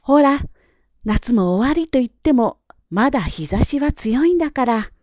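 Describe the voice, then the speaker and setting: A woman's voice: high voice, lively intonation, darkish tone, no echo, lo-fi sound. A woman voicing a caring but nagging mother in a storybook reading. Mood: fussing. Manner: brisk, nagging tone.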